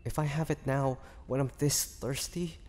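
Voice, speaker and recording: A man voicing a starving, tormented vampire in a dramatic audio roleplay, speaking haltingly with breathy sighs. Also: medium pitch, fairly even intonation, darkish tone, natural voice. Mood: pleading, tempted. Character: starving young male vampire, tormented, pleading, fighting bloodthirst. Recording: long echoing reverb, faint background noise.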